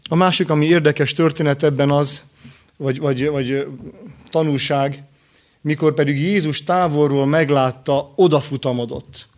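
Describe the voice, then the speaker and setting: A man preaching a sermon in short, earnest phrases with rhetorical questions and pauses. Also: fairly high pitch, fairly even intonation, a little mellow.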